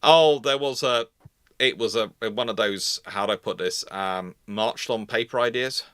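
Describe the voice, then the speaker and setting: A man with a bright, forward voice hosts an unscripted question-and-answer session. He sounds close and dry, and he often breaks off to correct and rephrase himself as he explains. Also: medium pitch, clean tone, no echo. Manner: halting, self-correcting, rephrasing mid-sentence. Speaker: host of a naval history live Q&A. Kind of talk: unscripted live discussion, answering viewer questions.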